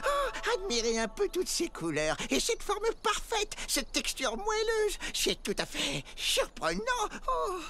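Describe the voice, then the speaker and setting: A woman voicing an excitable, kindly, theatrical elder in a French cartoon, with effusive delivery. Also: very high-pitched, measured pace, hardly any pauses, heavily acted. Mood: enraptured. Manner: effusive, exclamatory, swooping delivery. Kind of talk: French animated cartoon dub acting. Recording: music behind the voice.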